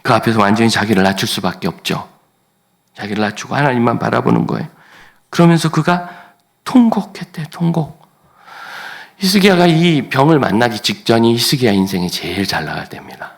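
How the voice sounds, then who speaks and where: A man's voice: mid-range voice, brisk, vocal fry. A male pastor preaching a sermon emphatically, repeating key words and dropping to near-whispers.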